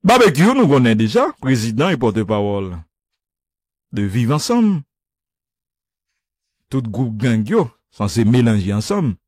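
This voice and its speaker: A man commenting on the news with a co-host, animated and laughing between points. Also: medium pitch, measured pace, pauses often, no room sound, studio quality.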